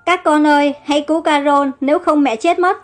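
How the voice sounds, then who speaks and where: A woman's voice: high-pitched, fairly even intonation, fairly quick, lightly acted. A woman reading a sobbing distraught mother. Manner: sobbing, pleading. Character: grieving wealthy mother, distraught.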